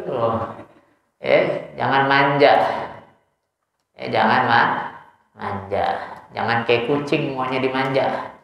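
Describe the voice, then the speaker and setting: A man's voice: mid-range voice, vocal fry. Man, religious teacher, joking rhetorical questions, very echoey, muffled. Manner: casual, teasing students with rhetorical questions. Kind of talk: informal Islamic study lecture. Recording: echoey dull hall recording.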